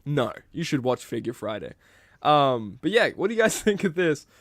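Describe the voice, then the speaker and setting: A man's voice: mid-range voice, very animated, moderate pace, no echo, clean studio sound. A man with an Australian accent hosting a casual podcast chat, joking and laughing often. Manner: laughing, playful teasing. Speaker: podcast host.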